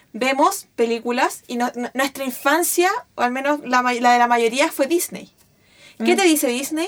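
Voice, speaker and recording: With a high pitch, a woman talks at a fairly slow pace. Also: ordinary pitch variation. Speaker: podcast co-host. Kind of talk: casual chat.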